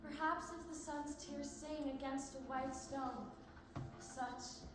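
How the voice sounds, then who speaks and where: A woman's voice: sits high, fairly even intonation, slow. A young woman acting a steadfast Jewish girl survivor in a stage play, in a very echoey, noisy hall. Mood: haunted, solemn. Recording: very echoey hall, clear background noise.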